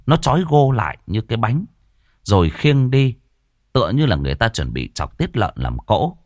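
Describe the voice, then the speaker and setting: A man narrating a ghost story in a dramatic, animated way. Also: medium pitch, normal speed, no room sound, clean studio sound.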